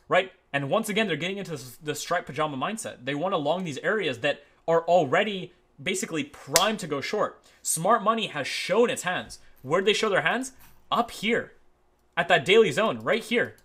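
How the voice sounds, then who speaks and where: A man teaching trading as he walks through charts on his screen, tagging his points with "right?" and moving between quick and slow stretches. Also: on the high side, fairly bright tone. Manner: repeats "right?" as a tag, talks through live charts; uneven pace, speeds up and slows down. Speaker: trading educator. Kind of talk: screen-share chart walkthrough.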